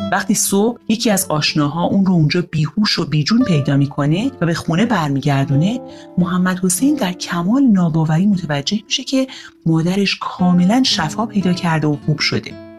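A woman narrating a children's story in an expressive, animated way. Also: lowish voice, soft background music.

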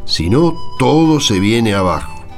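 A man playing a patient old grandfather from the countryside in a radio drama, with an Argentine accent and an unhurried, folksy, hesitant way of talking. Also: mid-range voice, big pitch swings, faint music behind. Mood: cautioning. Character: patient old grandfather reminiscing about his rural homeland.

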